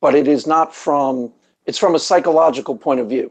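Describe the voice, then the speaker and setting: Here a man speaks with a New York accent. His pace is moderate. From New York area. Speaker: podcast host. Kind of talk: casual interview. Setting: live video call.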